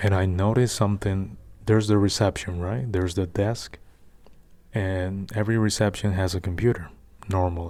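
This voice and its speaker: Soft-spoken, a man with a non-native accent and a dark, mellow tone talks on a very clean recording with a silent background. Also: fairly low pitch for a man, fairly even intonation, moderate pace. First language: not English. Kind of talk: ASMR storytime. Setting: some background noise.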